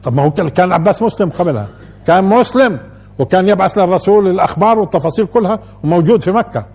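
Fast husky-voiced male religious teacher. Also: high-pitched, expressive, darkish tone. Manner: keeps asking the audience rhetorical questions. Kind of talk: colloquial Quran lesson.

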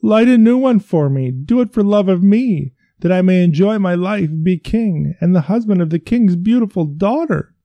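A man voicing a desperate young physician in a story reading, with high, frantic pleading. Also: big pitch swings, measured pace, hardly any pauses, no echo, muffled recording, full character voice.

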